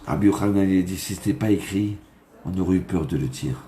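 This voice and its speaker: A man's voice: sits low, fast, mellow, roomy sound, slight background noise. A man, a rabbi, preaching by telling a story and acting out its dialogue. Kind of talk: storytelling sermon.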